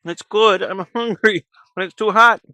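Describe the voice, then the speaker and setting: A man's voice: high voice, measured pace, pushed and bright, no room sound. A man streaming live, casually chatting and coaxing and scolding his pets in a joking way.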